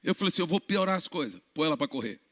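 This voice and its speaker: Animated preacher in a big hall. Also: male voice, on the high side, very fast. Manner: animated storytelling, shouting at peaks. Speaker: pastor. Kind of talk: sermon testimony. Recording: reverberant church hall.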